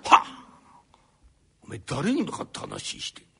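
A male rakugo storyteller voicing a haughty, spiteful older landlord who talks down in drawn-out Edo downtown speech. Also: on the high side, wildly swooping pitch, fairly bright tone, husky, full character voice. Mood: sneering. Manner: sneering, condescending, drawn out.

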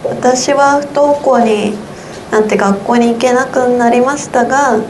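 A teenage girl, a student guest, giving a gentle, slightly halting message to listeners. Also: a little high, steady tone, slight background noise, poor audio. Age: teens.

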